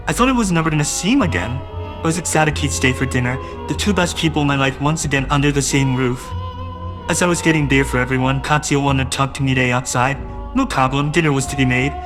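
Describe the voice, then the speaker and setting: A man narrating a first-person audio drama in a wistful, doting way that grows uneasy. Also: mid-range voice.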